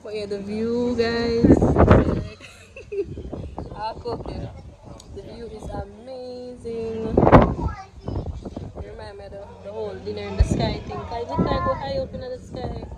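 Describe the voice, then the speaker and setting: A woman's voice: fairly high pitch, steady tone, takes it slowly, long pauses, very noisy. A young Jamaican woman chatting to her phone camera in a casual travel vlog, laughing often. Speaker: vlogger. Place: outdoors at a hillside restaurant and roadside. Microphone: phone camera at arm's length.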